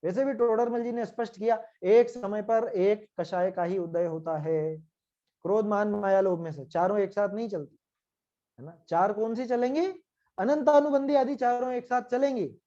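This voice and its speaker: A man's voice: high voice, fairly even intonation, moderate pace, warm tone, highs cut off. A man giving a Hindi scripture lecture, conversational, full of rhetorical questions and acted-out quotes. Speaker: Jain scripture teacher.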